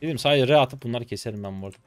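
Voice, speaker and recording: A man in his twenties commentating his own gameplay live, excitable and swearing casually as he talks to viewers. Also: medium pitch, very fast. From Turkey. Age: 20s. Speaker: game streamer.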